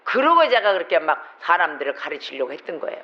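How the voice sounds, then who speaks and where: A pastor preaching a sermon with emphasis, throwing rhetorical questions at the congregation. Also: male voice, a little high, very animated, fast talker, lo-fi sound. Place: church sanctuary.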